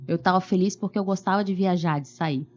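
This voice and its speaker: A woman with a Brazilian Portuguese accent interpreting her husband's English line by line, with quick restarts and self-corrections. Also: fairly low pitch, a little mellow, muffled recording. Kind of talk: live consecutive interpreting.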